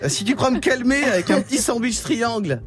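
Lively high-voiced comedian on radio. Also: male voice, brisk, faint music behind. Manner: jokey, laughing at his own gags, animated. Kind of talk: comic news segment on radio.

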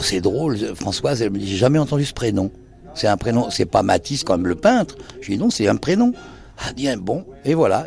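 Sitting in the lounge of the bar he owns, an older man shares stories casually, performing the quoted dialogue and often hesitating. He speaks in a lowish, gravelly voice with a darkish tone.

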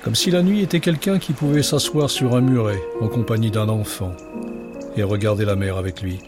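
A man telling a children's story in a gentle, measured way. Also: on the low side. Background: music.

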